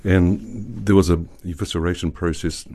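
An older man, a guest poet telling a history with wry, measured storytelling in a podcast interview. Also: low-pitched, fairly even intonation, warm tone. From New Zealand.

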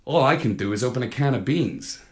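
A man's voice: mid-range voice, lively intonation, a little fast, natural voice. A man voicing an easygoing, matter-of-fact male companion in a storybook reading.

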